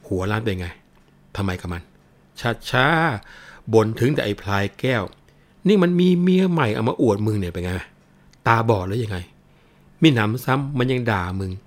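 A man's voice: lowish voice, sing-song, normal speed, long pauses. A man doing a furious foul-mouthed old mother. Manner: shouting crude insults. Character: furious scolding old mother, coarse and domineering.

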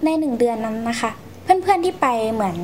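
A woman's voice: fairly high pitch, lively intonation, quick pace, darkish tone, a little hiss or hum. A young woman, answering interview questions in a polite, explanatory manner as she recounts her experiences. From Thailand. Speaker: guest storyteller.

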